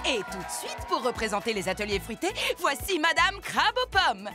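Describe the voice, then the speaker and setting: A woman's voice: high-pitched, big pitch swings, moderate pace, over music. A woman voicing an effusive, glamorous talk-show hostess in a French cartoon dub, showy and gushing. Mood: showy, announcing. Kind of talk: French animated series dub acting.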